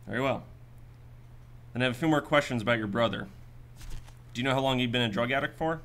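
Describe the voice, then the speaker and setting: Playing a probing, skeptical detective in a radio drama, this man fires off clipped, businesslike questions. He has a natural, medium-pitched voice with a fairly bright tone and talks quickly, hard-boiled and matter-of-fact.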